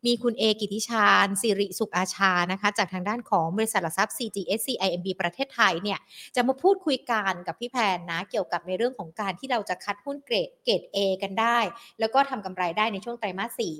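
A young woman hosting a stock market live stream, a little hoarse, chatting politely and greeting viewers. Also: medium pitch, fast talker. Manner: polite, chatty, peppered with soft sentence particles. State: slightly hoarse. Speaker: host of a stock market show.

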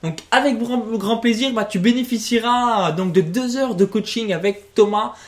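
A man co-hosting a live webinar, reading viewer comments and pitching a coaching offer in a salesman's manner. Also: normal speed. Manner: salesy, reads comments aloud. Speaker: co-host reading chat and selling coaching.

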